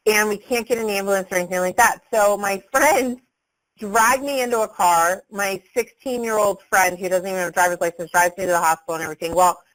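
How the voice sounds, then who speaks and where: A woman's voice: medium pitch, fairly bright tone, poor audio. Woman in her 40s rattling off her life story, lots of likes and rights. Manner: quick, chatty, lots of "like" and "right?". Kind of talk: personal storytelling.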